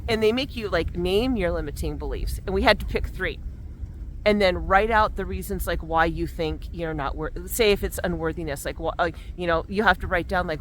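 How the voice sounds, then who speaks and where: A woman talking casually while walking outdoors in cold, windy weather, her lips numb from the cold, chatty and reflective about self-help ideas, often restarting her sentences. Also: lowish voice. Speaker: vlogger.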